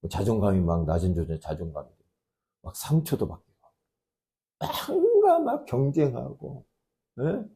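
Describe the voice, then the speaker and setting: Male pastor preaching, emphatic, mellow dark tone, pitch swooping wildly. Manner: emphatic, swinging between loud outbursts and quiet asides. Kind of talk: sermon.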